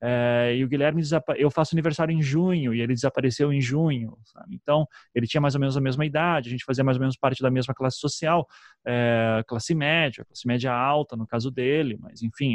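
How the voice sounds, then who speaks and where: The halting, thoughtful guest on a storytelling podcast, a man from southern Brazil with a Paraná accent, recorded close in a dry space. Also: mid-range voice, no echo. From Curitiba, southern Brazil. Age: 30s. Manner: halting, self-interrupting, frequent "né" tags. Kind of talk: conversational interview, reflective storytelling.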